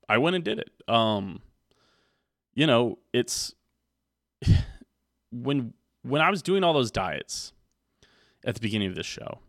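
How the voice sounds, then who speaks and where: A man's voice: on the low side, a bit bright, dry recording. Man rambling on a podcast, dry sound. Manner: rambling, restarts often, encouraging. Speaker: podcast co-host. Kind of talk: candid podcast talk.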